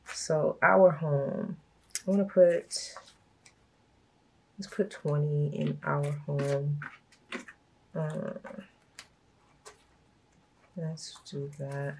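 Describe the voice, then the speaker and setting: Low-voiced woman, kinda hoarse from a cold, slow easygoing chatter, laughs a lot. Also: a little hiss or hum, poor audio. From Brooklyn, New York. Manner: chatty, laughs often, relaxed asides. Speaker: budgeting vlogger. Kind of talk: casual chat while stuffing cash envelopes.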